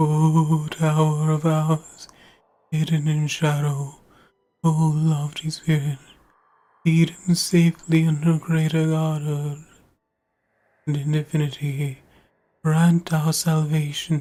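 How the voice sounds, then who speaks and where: A man's put-on character voice, fairly high-pitched, flat and monotone, at a fairly slow pace with long, frequent pauses. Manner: spooky.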